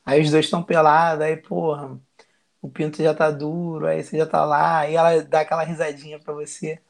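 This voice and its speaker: A man's voice: fairly high pitch, flat delivery, moderate pace, vocal fry. Crude, slangy Carioca man. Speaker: podcast guest. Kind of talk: casual chat.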